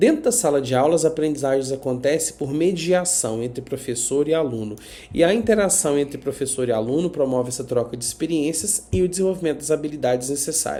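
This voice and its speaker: A man with a fairly high pitch and a normal speaking voice talks at a fairly quick pace with hardly any pauses. His pitch variation is ordinary. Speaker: teacher preparing candidates for a public exam. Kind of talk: lecture.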